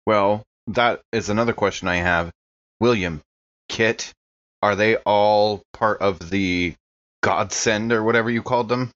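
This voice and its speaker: A man's voice: lowish voice, fairly even intonation, unhurried, a bit bright, no room sound, lo-fi sound. A man playing in a tabletop roleplaying podcast, casually moving between narrating his character and speaking as him.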